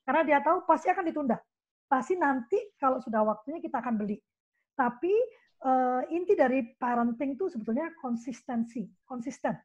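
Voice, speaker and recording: A woman's voice: high-pitched, animated, fairly quick. A middle-aged woman giving a conversational talk on parenting. She talks animatedly and acts out the things she says to her child. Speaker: parenting guest speaker. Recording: dull lo-fi sound.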